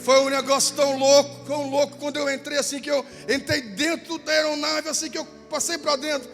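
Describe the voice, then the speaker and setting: A man with a Brazilian Portuguese accent preaching a fervent Pentecostal sermon in a church, repeating phrases and rising to shouts. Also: very high-pitched, flat delivery, brisk. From southern Brazil. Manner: fervent, repetitive, rises to shouting. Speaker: pastor. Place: church sanctuary. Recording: church hall with long reverb, faint music.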